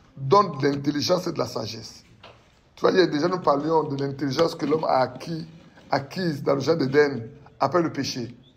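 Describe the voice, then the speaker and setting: A man with a fairly high pitch talks at a fairly quick pace amid noticeable background noise and audible room echo. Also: ordinary pitch variation. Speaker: preacher. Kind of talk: prayer; sermon.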